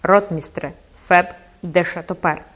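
A woman's voice: fairly even intonation, a little slow, a bit bright, slightly rough. A woman voicing a sinister cloaked man with a cold, sepulchral voice, reading an audiobook. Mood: menacing. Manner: low, cold, sepulchral delivery.

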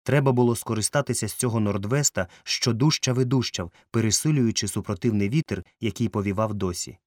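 A man narrating a novel in a measured, clear reading. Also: lowish voice, a little mellow, no room sound, clean studio sound. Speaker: audiobook narrator. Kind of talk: scripted narration.

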